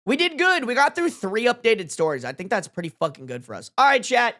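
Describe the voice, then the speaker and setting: Animated, slangy livestreamer in their twenties. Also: medium pitch, brisk. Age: 20s. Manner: slangy, swearing, emphatic. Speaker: livestream host. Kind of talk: casual reaction stream chat.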